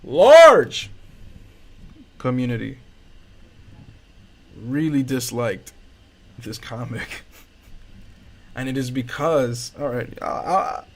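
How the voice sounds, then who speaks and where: A man's voice: mid-range voice, very animated, takes it slowly, pauses often. A young man hosting a casual commentary stream, talking in slang with stammered restarts and hyped asides. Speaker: host.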